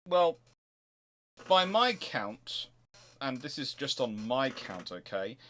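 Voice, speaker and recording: A man's voice: medium pitch, sing-song, slow, pushed and bright. A man hosting a history question show, thinking aloud in casual, rambling answers and repeating his phrases as he goes.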